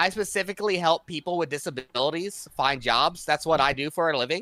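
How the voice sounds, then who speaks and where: Fairly high in pitch with ordinary variation, a man talks at a fairly quick pace in an American accent. His tone is bright and sharp, with a dry, close sound with no echo. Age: 30s. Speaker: podcast host; social worker. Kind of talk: casual chat. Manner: slurs when excited.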